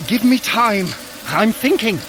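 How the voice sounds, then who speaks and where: A man playing a quick-witted, scheming god in an audio drama, sardonic, urgent and commanding in manner. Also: high voice, animated, background noise. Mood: tense. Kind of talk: audio drama acting for a fitness adventure.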